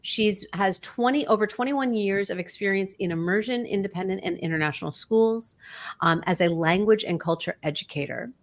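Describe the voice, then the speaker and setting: Halting woman podcast host. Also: mid-range voice. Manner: halting, with fillers and self-corrections. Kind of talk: interview introduction.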